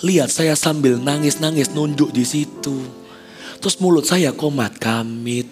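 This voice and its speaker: A man's voice: on the high side, a little slow, a little mellow, soft background music. A man in his thirties, a pastor telling a personal story in a sermon, talking casually to the congregation and acting out quoted dialogue. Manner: conversational, addresses congregation, acts out quoted dialogue. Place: church stage.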